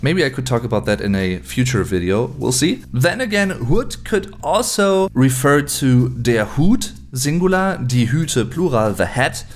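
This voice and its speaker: Lively, unhurried German man thinking aloud. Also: mid-range voice, soft background music. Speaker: language video host. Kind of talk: casual language lesson. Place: small room indoors.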